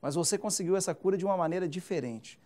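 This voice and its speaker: A man's voice: sits high, quick pace, mellow. A man who is a pastor hosting a Christian TV interview program, talking emphatically and turning to viewers with preacherly asides. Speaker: pastor, TV show host.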